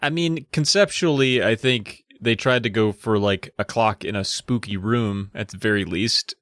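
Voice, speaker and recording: A man's voice: lowish voice, normal speed, a bit bright, no echo. A man co-hosting a podcast, chatting casually in a musing, hesitant way with dry humor. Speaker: podcast co-host. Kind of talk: casual chat, critiquing book covers.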